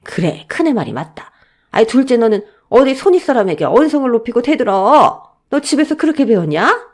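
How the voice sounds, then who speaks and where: A woman voicing an older, stubborn mother-in-law who scolds and plays favorites, in a drawn-out nagging way. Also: on the low side, very animated, darkish tone. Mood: scolding.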